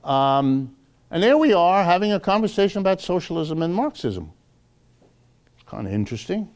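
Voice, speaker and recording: A man with an American accent lecturing off the cuff to a live audience, wry and emphatic, slowing for dramatic weight. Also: sits high, very animated, darkish tone. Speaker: lecturer hosting a monthly public talk.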